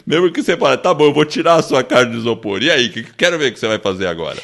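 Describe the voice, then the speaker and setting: A man with a São Paulo accent, co-hosting a podcast in casual book-discussion chat, chatty and quick to laugh, often tagging lines with a questioning "né?". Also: medium pitch, sing-song, creaky, fairly bright tone. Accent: São Paulo Portuguese. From born in the United States, raised in Brazil. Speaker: podcast co-host.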